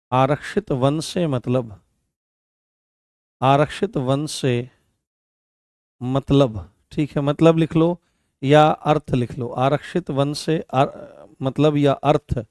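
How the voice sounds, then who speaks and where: A man teaching an online coaching class in a slightly high voice. He says the key terms again and again as he writes them out, and poses questions that he answers himself. The sound is dry and close, with no room echo. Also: a little mellow. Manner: repeats key phrases many times while writing on a board.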